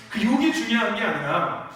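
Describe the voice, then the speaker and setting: A high-pitched man preaches a sermon with a lively, swooping voice that often climbs into shouts. His voice is bright and sharp. He sounds far from the mic, in a church with heavy echo. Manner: animated preaching, rising to shouts, calls for amens. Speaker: pastor. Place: church sanctuary. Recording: echoey church hall from far off.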